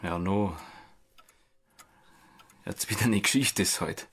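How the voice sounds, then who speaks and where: An actor playing a stubborn young farmer's son with a Bavarian accent, plain-spoken and defiant, in an audiobook drama. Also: male voice, low-pitched, slow pace, fairly bright tone, husky, full character voice. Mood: hesitant. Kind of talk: dialect audiobook drama acting.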